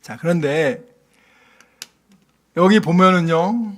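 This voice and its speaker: A middle-aged male pastor preaching an early-morning sermon, animated and acting out quoted voices with loud outbursts. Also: high voice, slow.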